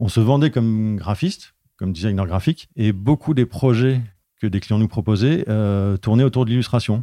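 A man talks at a moderate pace and a fairly low pitch. His tone is dark and mellow. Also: ordinary pitch variation, very clean recording, silent background. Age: 40s. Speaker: illustrator. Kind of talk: interview. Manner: halting, many hesitations.

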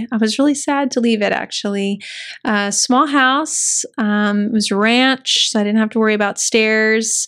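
A woman with an American accent uses a plain, everyday voice, speaking at a fairly slow pace with a fairly high pitch and fairly even intonation. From West Texas, El Paso. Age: 40s. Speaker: real estate agent and investor. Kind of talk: casual interview.

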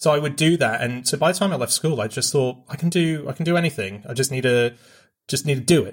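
A very fast pace, somewhat breathy delivery. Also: man, ordinary pitch variation. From Hong Kong. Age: 30s. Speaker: podcaster and comedy writer. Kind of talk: casual chat.

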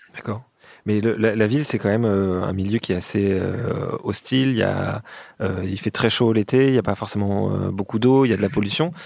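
This man has an unremarkable speaking voice with a fairly low pitch. He keeps a moderate pace, and his pitch varies in an ordinary way. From northern France. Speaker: podcast host. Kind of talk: interview.

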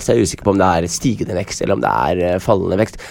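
A man talks at a very fast pace. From Norway, Somali family. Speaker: podcast guest. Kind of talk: casual chat.

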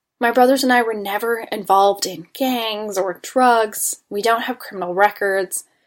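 In a very clean recording with a silent background, a woman speaks with a Canadian accent in an unremarkable speaking voice. Her pitch is fairly high, her intonation fairly even, and her moderate pace has hardly any pauses. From Toronto, Ontario, Canada. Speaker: podcast host. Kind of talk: scripted monologue.

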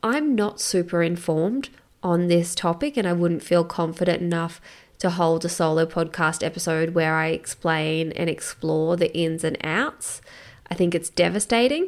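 An Australian-accented woman at fairly low pitch, with ordinary pitch variation, moderate pace, very even loudness, and a very clean recording with a silent background. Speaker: podcast host. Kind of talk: solo monologue answering listener questions.

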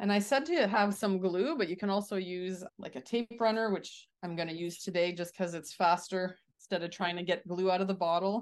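With a normal speaking voice at a medium pitch, a woman talks with ordinary pitch variation and hardly any pauses against a quiet background. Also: fairly quick pace. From Ottawa, Canada. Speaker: artist and breakthrough coach.

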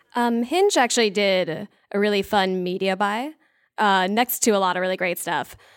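A woman speaks in a normal speaking voice at a moderate pace, with ordinary pitch variation. The recording is very clean, with a silent background. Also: medium pitch for a woman. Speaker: ad writer. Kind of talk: casual interview chat.

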